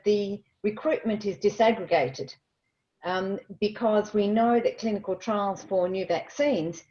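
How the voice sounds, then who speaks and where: A woman moderating a virtual town hall, brisk and conversational. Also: mid-range voice, warm tone. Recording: dull lo-fi audio.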